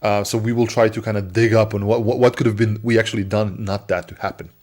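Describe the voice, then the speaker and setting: A man co-hosting a casual tech livestream in a laid-back way, laughing easily and phrasing things haltingly. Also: on the low side, flat delivery, a little mellow. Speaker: co-host.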